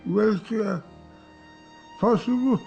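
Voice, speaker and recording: A man's voice: sits high, gravelly, lo-fi sound, music in the background, heavily acted. An actor playing a frail, nearly mute old grandfather who forces out single words in a radio drama. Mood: strained. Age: older. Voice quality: strained, halting single words.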